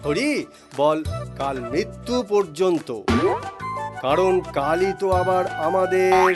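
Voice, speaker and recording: A man's voice: high voice, takes it slowly, over music. A man voicing a witty, sly village jester in a Bengali cartoon, polite and coaxing with a mock-innocent air. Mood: sly, courteous.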